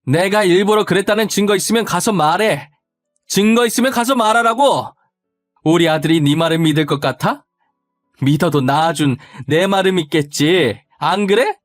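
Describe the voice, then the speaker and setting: A man voicing a spiteful older mother-in-law who yells and scolds in a shrill, high voice. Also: moderate pace, dry recording, studio quality, faint music behind, close to an everyday voice. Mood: furious.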